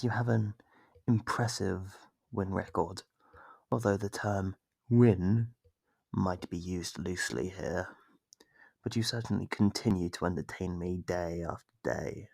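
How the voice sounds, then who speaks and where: A man performs an exaggerated sadistic monster for ASMR horror, mocking captured prey with put-on politeness in a cruel, scheming mood. His low, slightly mellow voice is husky and gravelly with a whispery edge. The mic is close and dry, with no room sound at all.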